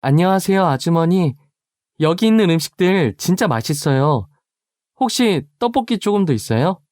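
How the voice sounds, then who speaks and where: An eager, polite schoolkid chirps along in a high voice, as a man puts the kid on. The tone is bright and well-mannered. The recording is dry and close. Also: animated, moderate pace, no echo, natural voice. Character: polite cheerful teenage schoolkid.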